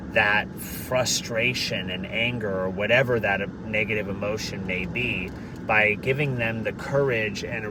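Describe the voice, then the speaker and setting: Deep-voiced man, earnest and candid. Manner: earnest, candid, occasionally swears. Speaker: vlogger answering questions. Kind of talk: casual Q&A monologue. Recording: distant mic, noisy background.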